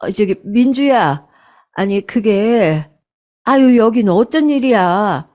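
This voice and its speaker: A woman's voice: medium pitch, lively intonation, slow, a little mellow. Woman doing a meek flustered older mother. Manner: hesitant, placating.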